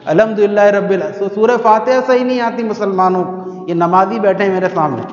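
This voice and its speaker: A man from Pakistan preaching a sermon to worshippers in a mosque, conversational with rhetorical questions, sometimes reciting verses in a slow melodic chant. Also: high voice, steady tone. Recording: echoey hall, muffled sound.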